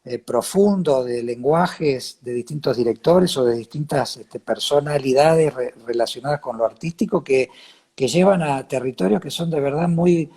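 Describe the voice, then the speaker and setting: A man with a Cordoba Argentine accent in a reflective interview conversation, haltingly repeating words as he searches for his phrasing. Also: medium pitch, dark tone, slightly rough.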